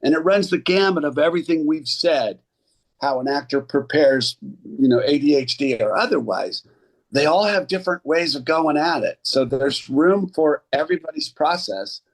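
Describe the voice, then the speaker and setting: A man in his sixties, an actor and voice coach, telling animated stories in a casual interview and slipping into others' voices. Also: a little high, moderate pace. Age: 60s.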